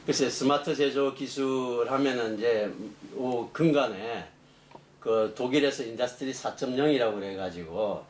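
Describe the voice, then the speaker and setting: A middle-aged man, a professor being interviewed, explaining technical matters off the cuff in a halting way. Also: mid-range voice. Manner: halting, explanatory, rephrasing as he goes. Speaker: engineering professor, interview guest. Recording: echoey room, distant mic, faint noise.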